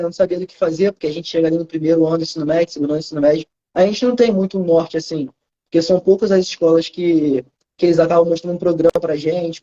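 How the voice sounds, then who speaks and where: A young man in his twenties with a Carioca accent, a student answering interview questions over a video call in a soft-spoken, modest way. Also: a little high, lo-fi sound. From Rio de Janeiro, Brazil. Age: 20s. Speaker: student approved in medicine.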